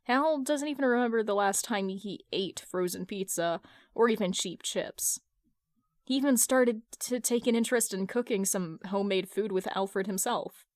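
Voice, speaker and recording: A woman reading fan fiction aloud in an expressive, colloquial storytelling style. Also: medium pitch, normal speed, no room sound, studio quality.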